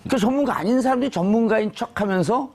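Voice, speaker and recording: A man's voice: very high-pitched, fast talker, darkish tone. A man hosting a live panel talk, bantering with his guests and teasing them with provocative, joking questions. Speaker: talk show host.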